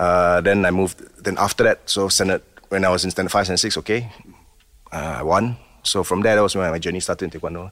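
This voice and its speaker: The man's voice is very deep and low. He talks at a very fast pace with fairly even intonation. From Malaysia. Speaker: football coach. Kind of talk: interview.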